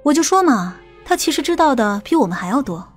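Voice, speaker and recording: A woman playing a stern, knowing female investigator in an audiobook, with a brisk, assertive manner. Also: sits high, very animated, faint music behind. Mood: sardonic. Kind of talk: audiobook character dialogue.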